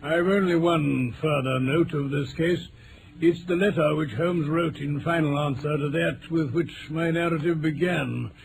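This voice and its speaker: Doctor Watson, gravelly genteel narrator. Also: male voice, a little high, low-quality recording. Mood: measured, reflective. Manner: measured, formal. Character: genteel English doctor recounting his friend's case. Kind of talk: radio drama narration. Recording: vintage radio broadcast with faint noise.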